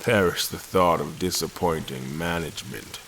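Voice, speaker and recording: An actor playing a weary, defiant space admiral held prisoner, intense and suspicious, narrating and speaking in an audio drama. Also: male voice, extremely low pitch, moderate pace, a bit bright, a little hiss or hum. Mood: sardonic. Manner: intense, accusatory. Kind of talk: audio drama first-person narration and dialogue.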